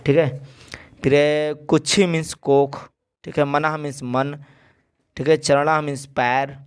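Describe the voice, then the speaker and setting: A man's voice: medium pitch, clear, resonant tone. A male teacher giving an exam-prep lesson, drilling word lists with frequent check-ins and playful examples.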